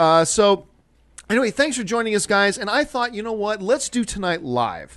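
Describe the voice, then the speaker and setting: A man's high-pitched voice with lively intonation. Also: moderate pace. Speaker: online movie news show host. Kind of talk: casual live show chat. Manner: loopy.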